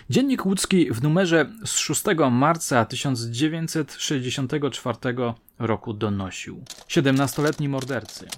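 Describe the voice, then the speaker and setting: A man narrating a true-crime story in a measured, dramatic way, letting his phrase ends drop low. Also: slight background noise. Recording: faint music bed under the voice.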